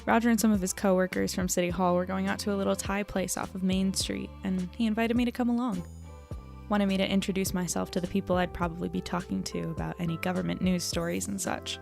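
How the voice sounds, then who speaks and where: A woman's voice: mid-range voice, fairly even intonation, quick pace, vocal fry, darkish tone, faint music behind, lightly acted. A woman playing a candid, self-deprecating young journalist, reflective and a little hesitant, in a confessional audio drama diary. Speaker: lead actor and narrator of an audio drama.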